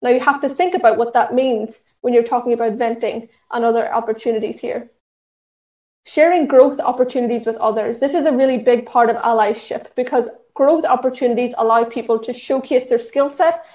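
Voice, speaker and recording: An Irish woman with a fairly high voice speaks earnestly, teaching in an instructive, steady way, often restarting her sentences and adding fillers. Her voice rings in an echoey room. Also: a little fast. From Ireland. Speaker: diversity and inclusion trainer. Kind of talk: talk at an online session.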